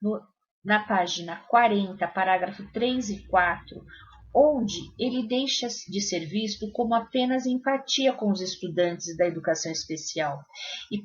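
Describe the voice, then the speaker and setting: A woman's voice: medium pitch, highs cut off. A woman presenting part of a teacher-training session, formally reading out references from prepared notes.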